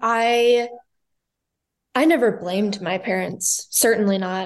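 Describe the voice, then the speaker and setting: Speaking at a very slow pace, a woman shows ordinary pitch variation. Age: young. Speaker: author, eating disorder recovery. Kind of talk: interview conversation.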